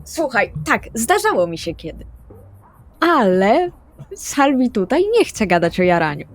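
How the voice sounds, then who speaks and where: A woman's voice: fairly high pitch, very animated, unhurried. A woman voicing an eccentric, protective vampire in an audio roleplay, motherly, cryptic and insistent.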